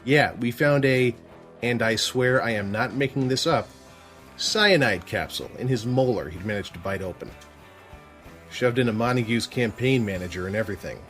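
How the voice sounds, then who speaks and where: A man's voice: medium pitch, animated, normal speed, a bit bright, faint music behind, natural voice. Cranky police chief male actor, sarcastic and worn down, mid-range voice, audio drama. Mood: weary, exasperated. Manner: weary, sarcastic grumbling.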